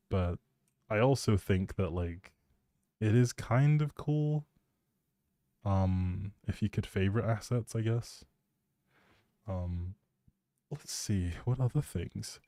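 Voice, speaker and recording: Male game streamer, mellow dark tone, informal rambling delivery, recorded dry and close on mic. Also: lowish voice, dry recording. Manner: informal, thinking out loud. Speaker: live streamer.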